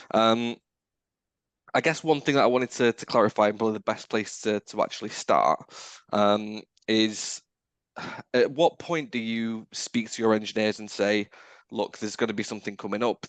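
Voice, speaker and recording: A man hosting a roundtable over a video call. His voice sits fairly low with a close, dry sound, and he works his way through questions in a friendly, rambling way. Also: no room sound. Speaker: podcast host, recruiter.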